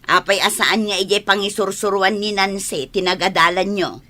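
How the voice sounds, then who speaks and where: A woman voicing a grumbling, resentful middle-aged village woman with a sharp tongue. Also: mid-range voice, moderate pace, lightly acted. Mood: curious.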